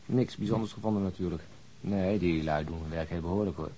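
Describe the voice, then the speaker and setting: A wry, easygoing male detective in a radio play. His voice sits fairly low. He reports conversationally, with dry, teasing relish, like a colleague talking shop. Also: brisk, mellow, husky. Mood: wry, reporting. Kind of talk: naturalistic radio drama dialogue.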